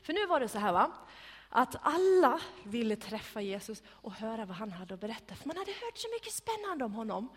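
A woman with a husky voice tells a Bible story to children in a church room, coaxing them to act it out and sometimes dropping to a whisper. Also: on the high side. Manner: animated, coaxing, directs children, drops to whispers. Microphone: microphone on a stand. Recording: long hall reverb.

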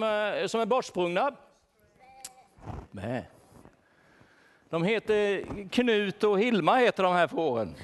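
Man playing a worried, lively shepherd. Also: sits high, slight background noise. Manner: animated, asks children questions, calls out names. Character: worried shepherd man searching for his lost sheep. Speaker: children's talk leader. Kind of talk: playful role-play for children.

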